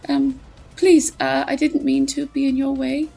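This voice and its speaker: A woman's voice: sits high, flat delivery, unhurried, creaky, mellow, soft background music, voice pushed up, exaggerated voice. A woman voicing a frail, apologetic old beast-like creature in a tabletop game, meek and hesitant.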